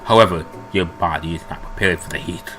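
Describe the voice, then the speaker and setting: A man hosting a let's play, reading the game's narration aloud in an expressive, jokey way. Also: low-pitched, fairly quick, soft background music. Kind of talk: reading game text aloud.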